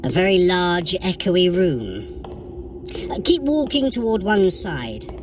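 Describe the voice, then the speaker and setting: An actress playing a haughty, mischievous trickster god in an audio adventure, theatrical, arch and wry as they guide a runner. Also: female voice, lowish voice, big pitch swings, takes it slowly, background noise. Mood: haughty, curious. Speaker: voice actor guiding a running workout. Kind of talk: in-character audio adventure narration.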